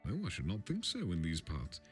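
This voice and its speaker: A man voicing a polite, fussy, excitable hobbit gentleman in a storybook reading, prim and chatty with eager exclamations. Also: deep voice, fairly quick. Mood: flustered, dismissive. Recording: film score music underneath.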